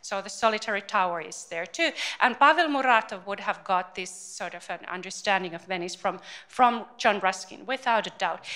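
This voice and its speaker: A woman in her forties with a Finnish accent, giving a lecture into a handheld mic in a small room, pausing often with fillers and restarts. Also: a little high, sharp tone. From Finland. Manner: hesitant, many fillers and restarts. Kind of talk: informal university-style lecture. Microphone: handheld microphone.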